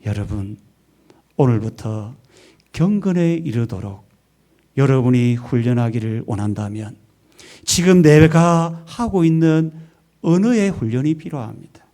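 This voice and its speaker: A male pastor delivers an emphatic Sunday sermon in a church sanctuary. His voice is mellow and sits at an ordinary pitch for a man. He keeps asking rhetorical questions and has the congregation repeat his words back to him. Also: expressive, a little slow, pauses often. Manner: emphatic preaching with rhetorical questions and call-and-response.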